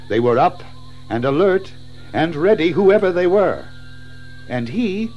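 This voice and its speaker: A man's voice: a little high, a little mellow, rough recording. A man narrating a children's story in a theatrical, suspenseful manner. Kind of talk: dramatic scripted storytelling.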